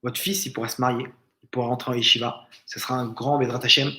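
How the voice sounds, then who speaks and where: A man's voice: medium pitch, level tone, fast talker, pushed and bright, echoey room, a little hiss or hum. A rabbi giving a lesson in a family home, telling a story and acting out the people he quotes. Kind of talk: Torah lesson told as a story.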